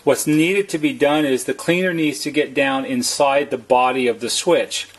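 A man with a slightly husky voice narrates a how-to as a service technician, explaining plainly and methodically, step by step. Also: mid-range voice, fairly even intonation, normal speed. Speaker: service technician giving a tutorial.

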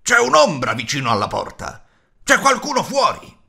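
A man voicing frantic male orc guards in an audiobook, yelling harsh alarms with a raspy edge. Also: high-pitched, huge pitch swings, moderate pace, voice pushed up, full character voice. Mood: alarmed yelling.

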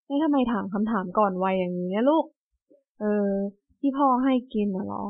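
A woman voicing a clumsy, easygoing father who talks slowly in a lowered voice. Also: creaky. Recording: tinny phone-like sound.

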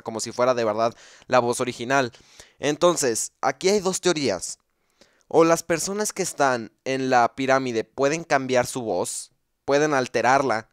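A man talks through a video game theory in a loose, explanatory way, pausing on fillers and restarting his sentences. His voice is smooth and clear and sits at an ordinary pitch. It is recorded dry and close, with no room sound. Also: no room sound. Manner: thinks aloud, with frequent fillers and restarts. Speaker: gaming YouTuber explaining game lore. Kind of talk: casual explanatory commentary.

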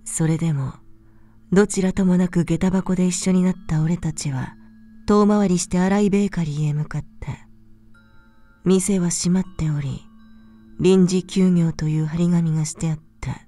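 A woman reading a scripted horror story as narrator, in a calm, measured, soft manner. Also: on the low side.

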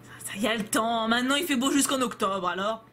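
Reading a story game's dialogue aloud, a young woman gives every character her own voice and breaks off between scenes for playful asides to viewers. Her pitch is fairly high, her pace fairly quick, and her tone fairly bright, with faint music in the background.

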